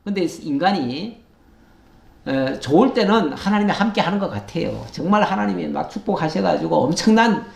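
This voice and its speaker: A man, a pastor, giving a conversational Bible lecture, animated and acting out quotes with frequent chuckles. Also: a little high, moderate pace, gravelly. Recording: echoey room.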